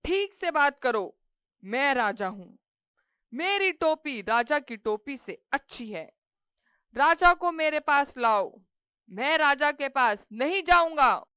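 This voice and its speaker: A boastful little male mouse from a children's storybook cartoon, as a woman narrator voices him, chanting his threats in a sing-song way. The voice sits very high and sounds bright and sharp. It is recorded dry and close, with no room sound. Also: expressive, takes it slowly, no room sound, full character voice. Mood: cocky, threatening.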